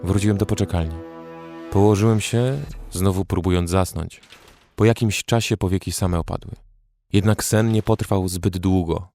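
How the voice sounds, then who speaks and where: An actor narrating in first person as a young male survivor in a horror audio drama, with a measured storytelling delivery. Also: low voice, fairly even intonation, dark tone, soft background music.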